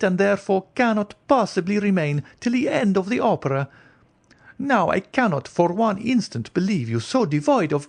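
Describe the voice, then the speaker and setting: An anxious, superstitious countess played by a male narrator, pitched far above his natural voice. She is coaxing and imperious, stressing her formal phrases dramatically, as in a classic audiobook. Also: full character voice. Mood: imperious, urgent. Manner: dramatic, emphatic, formal old-fashioned phrasing. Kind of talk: audiobook character acting.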